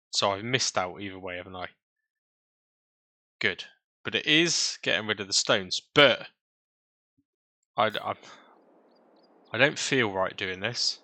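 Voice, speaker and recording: A man's voice: fairly low pitch, bright, forceful tone. A British man giving casual gameplay commentary, thinking aloud chattily and often tagging questions onto his own remarks. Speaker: gaming video host. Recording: noisy, vehicle-like engine ambience.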